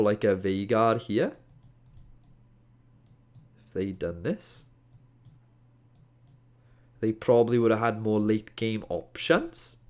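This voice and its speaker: A man's voice: fairly low pitch, darkish tone. A man with a Welsh accent, tinged with Scottish, casually reviewing a match as an esports caster, exasperated and jokey with slangy asides. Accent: Welsh, with a hint of Scottish. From Wales. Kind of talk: casual game review commentary.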